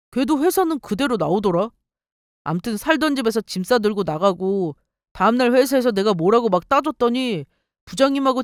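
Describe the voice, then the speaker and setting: A woman's voice: a little high, no echo, clean studio sound, lightly acted. A woman voicing a clingy, self-pitying ex-husband in a dramatized story reading, pleading and whining. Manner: whiny, pleading.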